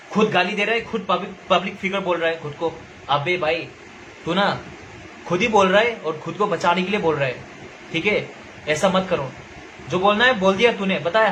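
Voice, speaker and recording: A young adult man from Nagaland, India, a social media commentator, launches into an angry direct-to-camera rant, confrontationally lecturing someone and repeating his points. His high voice has a fairly bright tone, with a little hiss or hum on the poor audio.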